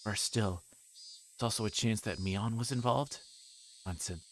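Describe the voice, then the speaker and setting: A man livestreaming a visual novel, reading it aloud in a casual, halting way that stumbles over words. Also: fairly low pitch, a little hiss or hum. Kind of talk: casual narrated read-aloud.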